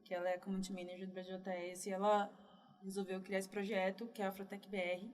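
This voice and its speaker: A woman from Northeast Brazil, a developer guest telling her career story in a relaxed, chatty interview. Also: medium pitch, quick pace. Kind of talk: casual podcast interview.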